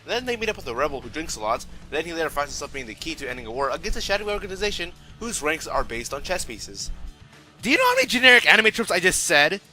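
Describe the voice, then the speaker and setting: A man's voice: a little high, wildly swooping pitch, fast, bright, forceful tone, faint music behind. A young man narrating a scripted comedic anime review with sarcastic, joking asides.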